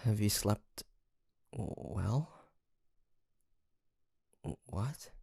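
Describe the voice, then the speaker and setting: A guarded, brooding monster hunter from the 1850s played by a male voice actor in an intimate audio drama. He speaks slowly and haltingly with a gravelly, husky voice, as if thinking aloud. The sound carries a long reverb. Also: fairly low pitch, lively intonation, a little mellow, exaggerated voice. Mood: conflicted, musing. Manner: hesitant, halting, sighing soliloquy.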